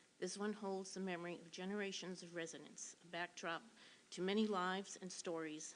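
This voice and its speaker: Her intonation monotone and flat, a woman talks at a moderate pace in a fairly low pitch. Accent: American. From New York. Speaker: resident speaking at public comment. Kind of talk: prepared public comment statement. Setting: city council meeting.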